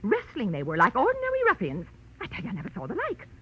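An actress playing a nosy, prim, gossipy spinster neighbor with an American accent and husky voice in 1940s radio drama, chattering with scandalized indignation. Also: female voice, mid-range voice, huge pitch swings, fast. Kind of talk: 1940s radio character acting. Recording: muffled vintage 1940s radio recording.

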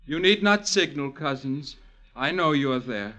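An actor playing a doomed young gypsy lover in a 1950s radio drama, tender and fatalistic, speaking in solemn, poetic phrases. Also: male voice, medium pitch, animated, normal speed, pushed and bright. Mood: resigned, defiant. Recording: muffled old radio recording.

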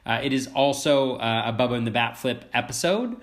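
A man's voice: medium pitch, lively intonation, brisk. Man with a cracky cold-sick voice. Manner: enthusiastic, chatty with fillers. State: sick with a cold, sniffling and coughing. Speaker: podcast host. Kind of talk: casual podcast chat.

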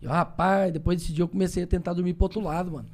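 A man's voice: high voice, fairly even intonation, a little mellow. A young man in casual chat, telling rambling stories full of swearing, with sudden vocal tics and repeated words. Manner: swears a lot, fast rambling storytelling.

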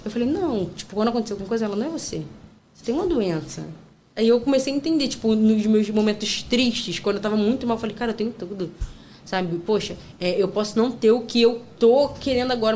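A woman talks fast as a podcast guest, her voice sitting a little high. She tells her stories in a loose, chatty way, full of fillers, and acts out what people said. A faint hiss sits under her voice. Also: darkish tone. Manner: breaks into laughter and acts out quotes. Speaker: podcast guest, content creator. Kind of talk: casual chat.

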